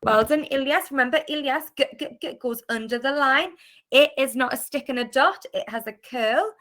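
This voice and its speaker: A British woman leads an online phonics class for young children. Her voice is bright and sits a little high, and she sounds out each letter clearly while praising often. It comes through a video call. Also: normal speed. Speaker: primary school teacher.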